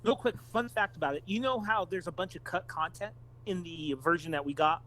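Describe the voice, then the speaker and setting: A man with a high-pitched voice chats as a podcast co-host. He speaks casually and informally, with offhand swearing, in a conversational gaming-talk style. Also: brisk, bright, forceful tone, poor audio.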